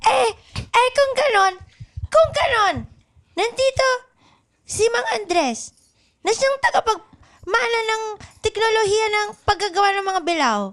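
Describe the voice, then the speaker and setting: A little dwarf royal with an extremely high, squeaky voice. The character is whiny and grumbling, bossing humans about in a comic improvised radio drama. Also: female voice, expressive, a little slow, long pauses, fairly bright tone, full character voice. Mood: excited, bossy. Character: squeaky grumbling dwarf queen and her dwarf companion.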